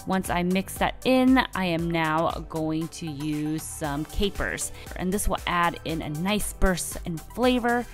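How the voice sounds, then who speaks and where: A woman in her thirties, a lifestyle vlogger, talking through her meal prep in a relaxed, friendly voice-over. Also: fairly low pitch, slow, few pauses, soft background music. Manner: friendly, relaxed instructional talk with upbeat lifts. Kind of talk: cooking voice-over, casual how-to.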